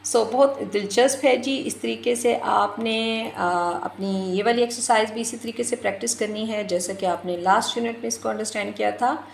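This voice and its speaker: A woman recording a lesson for primary teachers, repeating each word slowly and mixing English with Urdu. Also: a little high, steady tone, gravelly, a little hiss or hum. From Pakistan. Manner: slow and deliberate, repeats words and mixes English with Urdu.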